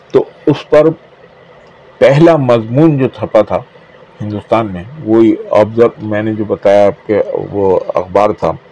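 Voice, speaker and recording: Noticeable background noise beneath a man's mid-pitched voice, with ordinary variation in pitch. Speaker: writer and researcher. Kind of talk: interview.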